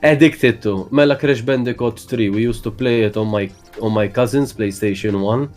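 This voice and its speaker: A man's voice: normal speed, a little mellow, soft background music. A young man from Malta with a Maltese accent, a guest in a casual interview, talking hesitantly with many fillers. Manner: hesitant, many fillers, calls his own voice bassy. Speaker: guest streamer.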